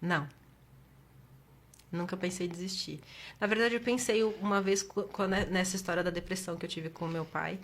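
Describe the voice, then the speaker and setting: Expressive Brazilian woman telling stories. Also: fairly low pitch, a little fast. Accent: Brazilian Portuguese. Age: middle-aged. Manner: expressive storyteller, acts out quoted dialogue. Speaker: guest. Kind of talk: casual interview chat.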